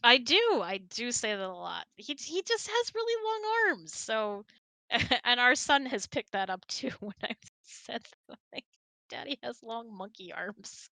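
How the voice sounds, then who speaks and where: A woman's voice: on the high side, sing-song, a little slow, vocal fry, sharp tone, no echo. A woman hosting a casual online hangout, chatting and answering audience questions in a giggly manner. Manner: giggly, laughs often while talking.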